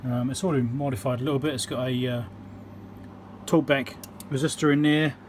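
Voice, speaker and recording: A man's voice: medium pitch, steady tone, a little fast. Casual New Zealand man, faint background hum. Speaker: electronics repairer presenting his work. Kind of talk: casual unscripted repair walkthrough. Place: indoor workbench.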